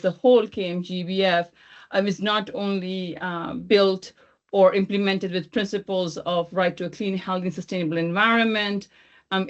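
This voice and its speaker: A woman from Thailand speaking off the cuff as a webinar panelist, haltingly, often rephrasing and circling back. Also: medium pitch. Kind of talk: extemporaneous panel remarks. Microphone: video call. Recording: dull lo-fi video call.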